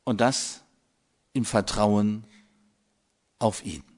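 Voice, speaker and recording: Older guy giving a sermon, slow and measured, lots of pauses. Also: on the low side, fairly even intonation, a little mellow. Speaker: preacher.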